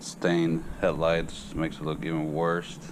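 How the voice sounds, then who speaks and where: A man's very deep, low voice moves at a fairly slow pace with fairly even intonation, and noticeable background noise is present. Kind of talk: casual vlog chat. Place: garage. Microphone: phone near.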